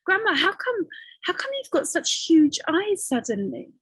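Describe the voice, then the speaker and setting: A woman's voice: very high voice, very animated, measured pace, dry recording, pitched above the performer's own voice, heavily acted, rough recording. A woman voicing young Little Red Riding Hood, an eager, trusting girl, in a storybook reading. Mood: astonished. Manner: bright childlike, wide-eyed tone.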